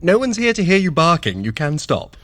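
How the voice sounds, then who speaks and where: A man's voice: fairly high pitch, very animated, fairly quick, fairly bright tone. An actor playing a vain, scheming male trickster god in audio drama, condescending, theatrical and sardonic. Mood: smug, mocking. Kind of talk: dramatic audio fiction acting.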